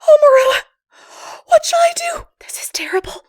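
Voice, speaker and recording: A woman's voice: very high voice, lively intonation, moderate pace, voice pushed up. A woman voicing an impulsive, melodramatic, talkative teenage girl in a breathless, exclamatory audiobook reading. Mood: distraught. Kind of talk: dramatic audiobook character voice.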